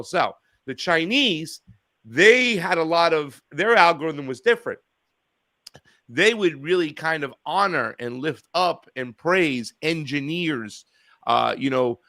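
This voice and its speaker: A man hosting a call-in talk show, chatting casually, rambling and profane, getting loud and animated when he rants. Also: on the high side, dry recording. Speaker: radio show host.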